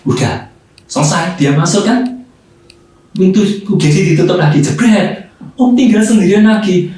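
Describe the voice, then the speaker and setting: A man tells a lively Sunday school story to children. He acts out the voices in a slightly high register. The sound is distant and echoes strongly through a large hall. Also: moderate pace. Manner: animated, acts out voices, repeats "ya". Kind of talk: storytelling sermon for kids.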